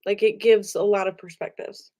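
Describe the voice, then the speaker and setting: A woman's voice: mid-range voice, fairly even intonation, moderate pace, mellow, slight background noise. A young woman vlogging casually about books from home, rambling with lots of fillers. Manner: chatty, rambling, frequent fillers. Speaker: book vlogger. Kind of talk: casual chat. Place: home room with angled ceiling.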